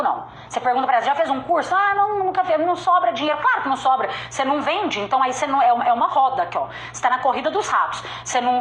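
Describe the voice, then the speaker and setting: A woman's voice: sits high, fairly bright tone. A woman with a strong regional Brazilian accent giving a motivational sales talk, emphatic and direct, repeating her key points. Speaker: sales speaker. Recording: echoey room with faint ambience.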